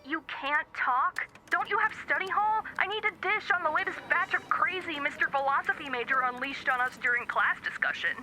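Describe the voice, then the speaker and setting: A woman's voice: sits high, fairly quick, few pauses, over music, natural voice. A woman playing a chatty, breezy young student who gossips and teases in an audio drama. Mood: gossipy, teasing. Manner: breezy, teasing.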